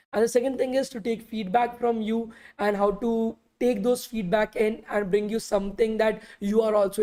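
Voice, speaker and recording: Mellow woman teaching a coding class. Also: medium pitch. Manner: conversational, many filler pauses, repeats invitations to ask. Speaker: coding bootcamp instructor. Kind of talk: live online class, answering chat questions.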